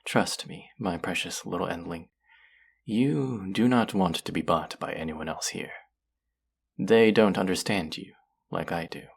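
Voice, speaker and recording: Performer as a gravelly, low, sinister alien collector. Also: full character voice. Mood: mock-tender, fascinated. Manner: condescending, cooing, slow and savoring, often dropping to whispers. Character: cruel, covetous alien collector-artist feigning kindness to a captive. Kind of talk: dramatic second-person audio roleplay monologue.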